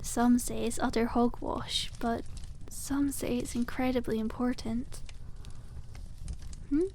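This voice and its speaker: A woman voicing a cute, kindly witch shopkeeper in an ASMR roleplay, speaking softly and teasingly with old-fashioned courtesy. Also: a little high, fairly even intonation, slow pace, a little hiss or hum. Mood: gentle, attentive. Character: cute, coy, kindly witch selling dragon eggs. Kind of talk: ASMR roleplay, scripted and addressed to listener.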